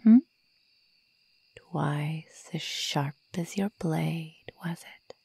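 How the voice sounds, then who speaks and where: Lady doing a sadistic werewolf girl for asmr, low creaky whispery voice, taunting, super close and dry. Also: mellow, no echo, full character voice. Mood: cruel, playful. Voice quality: breathy, whispery. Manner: slow, taunting, menacing. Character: sadistic young female werewolf toying with her prey. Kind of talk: ASMR roleplay. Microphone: close microphone, dry.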